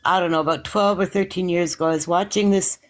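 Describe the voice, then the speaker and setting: A man's voice: high voice, steady tone, fast talker, rough recording. Rambling man explaining in casual chat. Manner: rambling explainer, restarts and hedges often.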